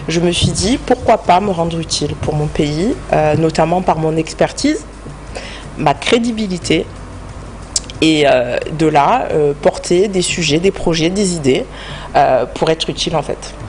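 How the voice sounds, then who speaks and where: A woman's voice: low voice, lively intonation, unhurried, darkish tone, soft background music. A woman from France with a French accent, answering as an expert guest in a studio interview in a structured, explanatory way. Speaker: guest expert, human resources director.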